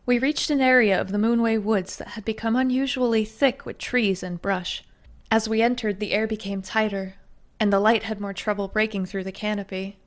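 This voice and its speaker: A woman narrating a first-person fantasy story in a steady, even storytelling manner. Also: mid-range voice, normal speed.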